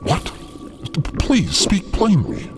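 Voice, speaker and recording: A man voicing a formal otherworldly being, swooping pitch. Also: huge pitch swings, over music, full character voice. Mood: hurt, dignified. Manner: formal, earnest, halting. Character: gentle, dignified otherworldly male being, formal and patient. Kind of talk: audio drama dialogue.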